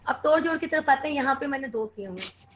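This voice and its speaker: A woman teaching a children's lesson, spelling words out slowly and clearly letter by letter. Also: high voice, animated, lo-fi sound.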